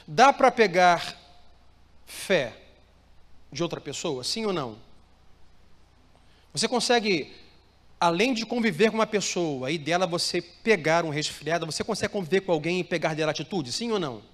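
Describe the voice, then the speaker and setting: Speaking at an ordinary pace with frequent pauses, this male pastor has a high voice and lively intonation. He preaches in Brazilian Portuguese to a live congregation, prompting them to echo his phrases and respond. Soft music plays in the reverberant church hall.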